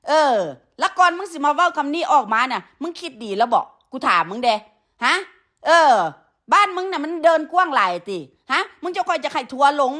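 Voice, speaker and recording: A woman's voice: sits high, pushed and bright. A woman with a northeastern Thai Isan accent, ranting angrily to her online viewers, scolding and insulting, tagging her lines with short "huh?" and "yeah" asides. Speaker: online content creator. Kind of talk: angry livestream rant to viewers.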